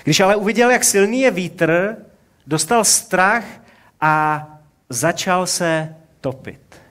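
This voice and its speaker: A man in his forties preaching a sermon in a relaxed, conversational way, asking rhetorical questions. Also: high-pitched.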